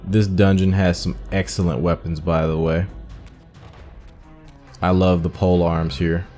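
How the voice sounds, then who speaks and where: Low, dark-voiced man commentating a game. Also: flat delivery, a little slow, faint music behind. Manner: informal, thinking aloud. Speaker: gaming video host. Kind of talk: casual playthrough commentary.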